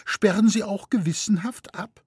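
A woman's voice: mid-range voice, normal speed, mellow, breathy edge, dry recording, clean studio sound, voice pushed up, close to an everyday voice. A man reading aloud voices a fussy, anxious elderly lady who frets and chatters on primly. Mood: fretful. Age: older. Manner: prim, worried, chattering on.

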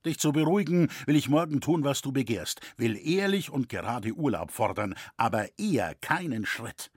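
A man's voice: mid-range voice, very animated, moderate pace, breathy edge, dry recording, studio quality. A man voicing a proud, steadfast male master builder who speaks firmly and solemnly. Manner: firm, solemn.

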